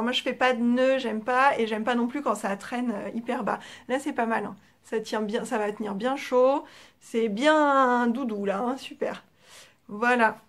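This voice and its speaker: Her voice a touch high, a French-accented podcast host talks to the camera about her knitting. The chat is relaxed and show-and-tell in style, with plenty of little fillers and quiet asides that drift away.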